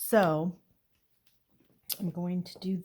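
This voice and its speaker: A woman's somewhat breathy voice, dark and mellow in tone, at a very slow pace. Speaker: tarot teacher. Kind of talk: tutorial. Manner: hesitant, many fillers.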